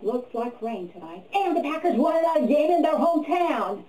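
A woman's voice: sits high, lively intonation, moderate pace, mellow, far from the mic, voice pushed up. A woman playing obnoxious, melodramatic characters with exaggerated delivery in comedy sketches. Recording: echoey room, off the mic, faint noise.

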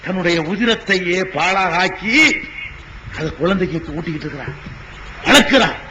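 A man preaching a sermon, scolding his listeners with rhetorical questions and swinging between loud and soft. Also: high voice, moderate pace, slight background noise, rough recording. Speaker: Muslim preacher.

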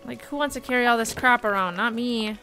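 A woman in her twenties streaming a game. She chats casually and gushes with bubbly excitement. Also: on the high side, brisk, faint music behind, poor audio. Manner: bubbly, gushing, chatty. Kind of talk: casual gameplay commentary.

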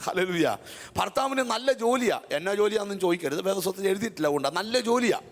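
Gravelly middle-aged woman preaching in a hall. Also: medium pitch, expressive, fast talker. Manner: dramatic storytelling, bursts into shouts, peppered with amens and hallelujahs. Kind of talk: fiery revival sermon. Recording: long echo of a large hall.

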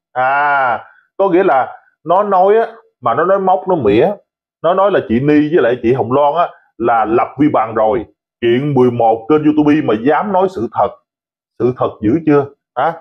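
Husky-voiced man scolding critics. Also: a little high, dull audio. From Vietnam. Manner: scolding, mocking, addresses critics with blunt insults. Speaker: online commentator. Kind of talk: heated commentary monologue.

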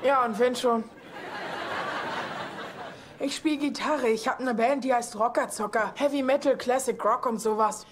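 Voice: medium pitch, steady tone, unhurried, long pauses, close to an everyday voice. An actor playing a dim, greedy, cheeky boy in a German-dubbed sitcom, naive and blunt. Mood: showing off. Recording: noisy TV soundtrack.

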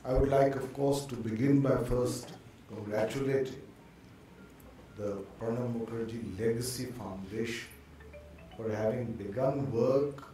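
Older man, formal tribute speaker at a lectern, slow deliberate pace, distant mic in a reverberant hall. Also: mid-range voice, warm tone, a little hiss or hum. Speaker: panel speaker. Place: large auditorium. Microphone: lectern mic, far camera. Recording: echoey hall from far off.

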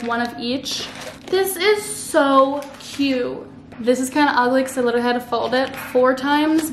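A bubbly young woman with a high, bright voice chats away to her camera about the presents she's wrapping, dropping "like" into nearly every sentence. The sound is roomy and echoey, with a steady noise bed behind her in a living room. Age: young adult. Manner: bubbly, chatty, lots of "like" fillers. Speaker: vlogger. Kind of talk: casual chat to camera. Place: living room at home, indoors. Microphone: camera across a table.

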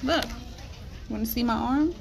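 A woman's voice: fairly high pitch, measured pace, creaky, poor audio. A woman in her thirties talking informally to her phone at arm's length in a casual vlog. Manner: informal, conversational. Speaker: vlogger. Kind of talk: casual storytime vlog chat. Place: small spaces: pharmacy corner, then parked car. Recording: music behind the voice.

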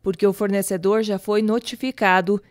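A woman news reporter reads a scripted report in a steady, measured tone. The recording is dry and close, with no room sound around her voice. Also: mid-range voice, no echo. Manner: even, measured reporting delivery.

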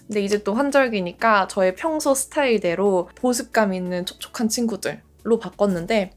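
A beauty creator in her late twenties chats casually in a skincare vlog, gushing over each product as she applies it. Her voice sits at a medium pitch and moves at a moderate pace, and she's filmed in her bedroom in front of a door.

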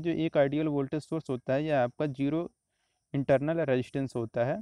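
A man walks through exam questions one by one, repeating each answer in a steady teaching manner. His voice is mellow and smooth, a little higher than most men's. The recording is close and dry. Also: no echo. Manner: steady explanatory, repeats answers, frequent "तो देखिए" and "आपका". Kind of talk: explaining exam questions over slides.

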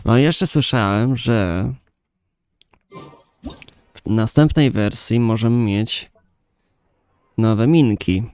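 A man's voice: lowish voice, slow pace, pauses often, a little mellow, slight background noise. A man with a Polish accent giving casual, informal let's play commentary as a gaming video host. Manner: informal, mild swearing.

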